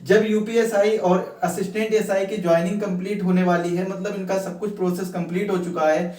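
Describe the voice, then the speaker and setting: A man's voice: sits high, darkish tone. A man giving an informal explanatory update as an exam coach, repeating himself and answering his own questions. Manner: repetitive, asks questions and answers them himself. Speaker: exam-preparation coach and video host. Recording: echoey room, distant from mic.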